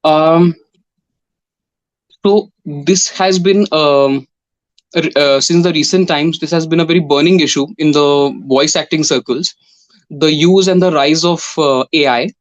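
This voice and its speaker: A young man with an Indian English accent, a voice and dubbing artist answering interview questions in a thoughtful, measured way with frequent pauses. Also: on the high side, highs cut off.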